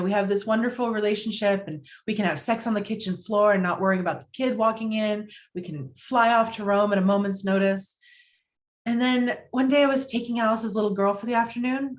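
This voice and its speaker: An actress voices a newly single city woman in a romantic comedy. She is earnest and particular, speaking at an ordinary female pitch in an everyday, conversational read. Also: natural voice. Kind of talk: table read of romantic comedy film script. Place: indoors, virtual video-call table read.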